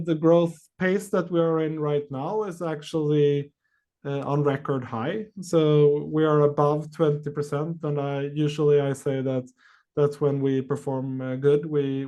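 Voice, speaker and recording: A man answering questions as a company executive on an earnings call, speaking haltingly with many long filled pauses. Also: fairly high pitch, fairly even intonation, a little mellow.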